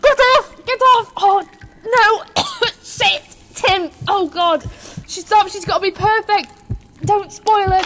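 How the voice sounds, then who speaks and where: High-voiced, frantic research scientist. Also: female voice. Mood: panicked. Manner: urgent, sweary, breaking into cries. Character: frantic, foul-mouthed woman research scientist in an Arctic lab. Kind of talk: audio drama acting. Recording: very noisy radio-drama sound, clicks.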